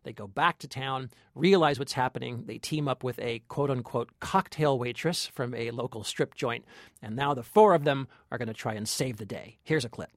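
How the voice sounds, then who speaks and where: An American man gives his take in a casual review style, with a middle-pitched voice and a close, dry sound. He talks informally, softening his opinions as he goes. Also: normal speed, no room sound. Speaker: film review podcast co-host.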